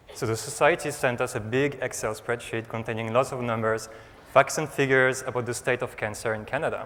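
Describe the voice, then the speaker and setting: A man with a medium pitch keeps a fairly quick pace and fairly even intonation. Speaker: designer. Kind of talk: conference talk. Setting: stage with audience.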